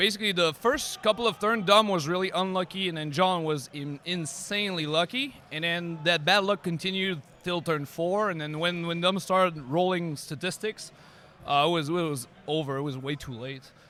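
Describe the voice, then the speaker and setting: A man speaks at a moderate pace with a French accent. His pitch is high, with ordinary variation. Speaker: tournament table judge. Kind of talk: live commentary interview. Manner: halting, many false starts.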